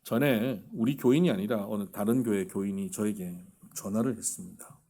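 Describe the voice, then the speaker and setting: This pastor preaches at a moderate pace with a fairly low voice. His sermon unfolds through animated storytelling, in which he performs the voices of the people involved.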